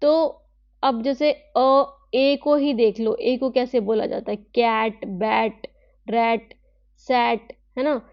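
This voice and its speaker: Female online teacher, high voice, dry and dull lo-fi audio, patient explainer. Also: steady tone, no room sound. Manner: explains slowly, reads English lines then explains in Hindi; asks rhetorical questions, tag "है ना". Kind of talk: online class lecture.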